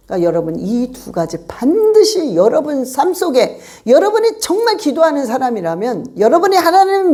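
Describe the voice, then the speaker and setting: Animated high-voiced woman pastor preaching. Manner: emphatic, repetitive exhortation addressing the congregation. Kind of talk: sermon.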